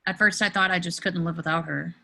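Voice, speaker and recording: Bright-voiced Lane, hapless teenage boy, played by a woman. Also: on the low side, steady tone, fast talker, gravelly, full character voice. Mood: self-deprecating, awkward. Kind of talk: amateur script table read. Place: remote video call.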